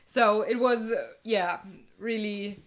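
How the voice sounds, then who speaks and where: A young woman chatting casually about a board game, loud and animated, recorded on a couch at home. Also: medium pitch, takes it slowly. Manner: chatty, animated, laughs often. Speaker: co-host. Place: living room couch, indoors.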